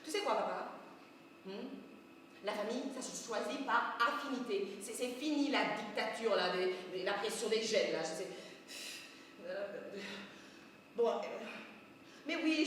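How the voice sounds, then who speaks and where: A woman acting on a theatre stage, talking in a halting, hesitant way. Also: fairly high pitch, a little hiss or hum. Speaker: stage actor. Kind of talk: rehearsed stage performance. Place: theatre stage, recorded from the house. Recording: distant echoey theatre capture with long reverb.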